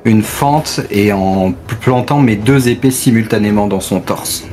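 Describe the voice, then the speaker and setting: A man's voice: fairly low pitch, measured pace, mellow, slight background noise. A man chatting casually as a player in a tabletop role-playing game.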